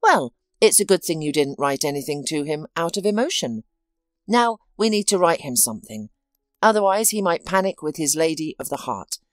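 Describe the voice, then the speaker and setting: A woman reading as a measured male officer. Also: low voice, sing-song, no room sound, studio quality, soft background music. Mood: businesslike. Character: composed male law-enforcement officer.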